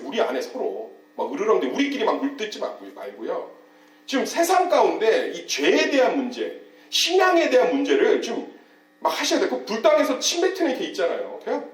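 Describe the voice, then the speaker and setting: A man preaching a sermon in a church, urging and exhorting, acting out the voices of people he quotes. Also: high voice. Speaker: pastor. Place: church sanctuary. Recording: echoey church hall, distant mic, mains hum.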